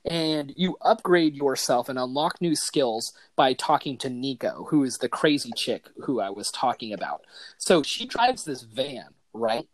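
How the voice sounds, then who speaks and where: An excitable man hosts a laid-back gaming podcast, gushing and piling on slang. His voice sits mid-range, and the sound is close and dry, with no room around it. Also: mid-range voice, a little slow, no room sound. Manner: excitable and enthusiastic, heavy slang. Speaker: podcast host. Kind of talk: casual gaming podcast chat.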